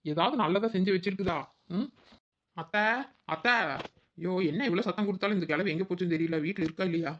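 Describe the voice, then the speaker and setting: A woman's voice: on the low side, fast talker, dull audio, slight background noise, close to an everyday voice. A woman voicing a cheeky young daughter-in-law in a cartoon, who whines and talks back. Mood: whining. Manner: whiny and cheeky. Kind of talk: cartoon voice acting.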